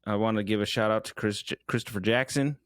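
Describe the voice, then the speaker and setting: A man's voice: lowish voice, steady tone, quick pace, a bit bright, smooth, no room sound, clean studio sound. A man co-hosting a casual podcast, laid-back and laughing easily, often trailing off and restarting. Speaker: podcast co-host. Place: small room in front of a green screen.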